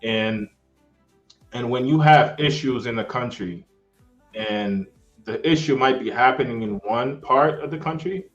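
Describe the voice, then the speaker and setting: A man's voice: medium pitch, a little slow, dull audio, faint music behind. A young man from Haiti, talking earnestly in a casual interview, repeating himself and often asking "you understand?". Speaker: guest, travel YouTuber.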